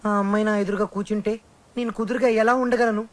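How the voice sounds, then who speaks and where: A man's voice: sits high, little pitch movement, fast talker, no room sound, close to an everyday voice. An actor playing a nervous young music teacher who pleads anxiously with his boss. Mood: flustered.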